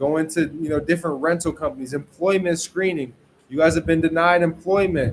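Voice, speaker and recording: Here a man talks in a fairly high voice at a fairly quick pace. His intonation stays fairly even. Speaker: credit repair educator. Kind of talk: livestream tutorial. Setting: livestream. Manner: fast; casual, filler-heavy.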